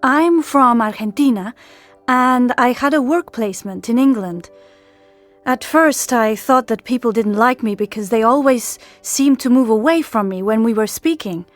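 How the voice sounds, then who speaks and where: A woman's voice: a little high, moderate pace, no echo, faint music behind. A woman reading a scripted anecdote for an English listening exercise in a plain, friendly way. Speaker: textbook audio speaker.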